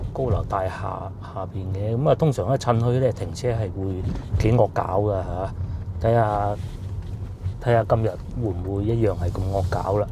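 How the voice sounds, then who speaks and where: A man's voice: on the low side, noisy background. Chatty Cantonese man on a scooter. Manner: chatty, rambling with fillers. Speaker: food vlogger. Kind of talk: casual vlog narration. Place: outdoors on village streets.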